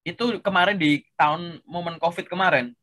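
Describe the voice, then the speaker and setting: A man's voice: high-pitched, moderate pace, sharp tone. A man casually coaching a job seeker over a video call, chatty and explanatory, with lots of filler tags. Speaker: career coach.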